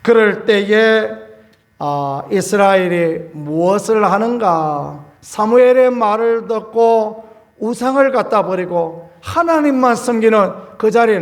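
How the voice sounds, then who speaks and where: High-voiced man preaching a lively sermon. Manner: storytelling, acts out scenes with sudden loud bursts; colloquial and homely. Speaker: pastor. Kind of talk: Sunday sermon.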